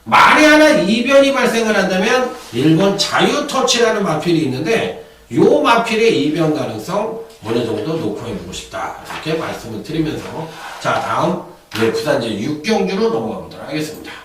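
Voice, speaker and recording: A man giving horse racing tips in an animated, chatty commentary style with lively asides. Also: on the high side, normal speed, recorded from a distance, a little hiss or hum. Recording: echoey room, off-mic.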